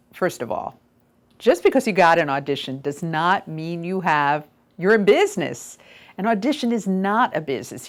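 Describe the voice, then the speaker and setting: Female coach, lowish register with lively swings in pitch, stressing key words in direct how-to talk. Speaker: voiceover coach and host. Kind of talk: instructional video talk to camera.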